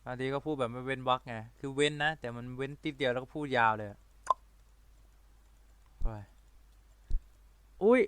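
Bright rapid-fire gaming commentator man. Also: mid-range voice, smooth, no echo. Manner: rapid-fire talker who admits he talks too fast and runs out of breath; excitable, playful, loud exclamations. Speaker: gaming video creator. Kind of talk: excited let's-play commentary.

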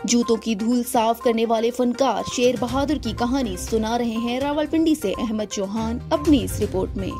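A female news anchor reading headlines in a crisp announcer delivery. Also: on the high side, normal speed, hardly any pauses. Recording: music bed behind.

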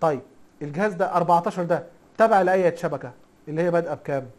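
A man's voice: fairly high pitch, very fast, darkish tone. A man with an Egyptian accent teaching a casual recorded lesson, chatty and teasing, constantly quizzing the class with rhetorical questions. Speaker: IT instructor.

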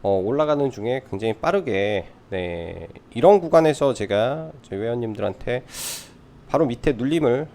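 Male trading adviser for a live market recap: explanatory, animated intonation, noticeable vocal fry. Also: mid-range voice, normal speed. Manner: explanatory, poses questions then answers them.

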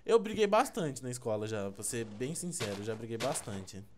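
A man's voice: mid-range voice, very animated, normal speed, a little hiss or hum. A young Brazilian man hosting a gameplay video, teasing his friend in rambling casual chat full of fillers. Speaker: gaming YouTuber.

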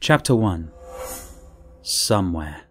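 A man reading an audiobook in a measured, dramatic manner. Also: sits low, big pitch swings, soft background music. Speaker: audiobook narrator. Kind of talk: scripted audiobook narration.

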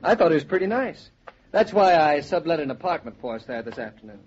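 An actor playing a playful young husband in 1940s radio acting, coy and teasing, fussily protective. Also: male voice, on the high side, sing-song, fast talker, darkish tone, slight background noise. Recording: dull old radio transcription.

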